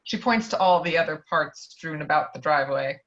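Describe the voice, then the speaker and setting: A woman's voice: sits low, animated, a little fast, a bit bright, lo-fi sound. A woman narrating stage directions in an amateur script table read over a video call.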